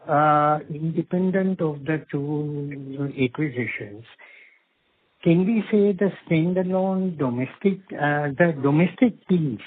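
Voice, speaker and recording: A man with an Indian accent speaks over a tinny, narrow phone line. His voice is husky and a little high, and he lays out financial questions in a halting, deliberate way. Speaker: investor or analyst asking questions on an earnings call. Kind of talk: question and answer on a business conference call. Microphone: phone conference call.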